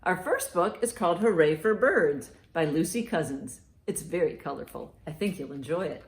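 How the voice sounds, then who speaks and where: Animated woman leading children's storytime, echoey room. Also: on the low side, normal speed. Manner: animated, encouraging, sing-song delivery for small children. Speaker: library storytime host. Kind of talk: children's storytime with songs, rhymes and picture-book reading. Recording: roomy, echoey indoor sound.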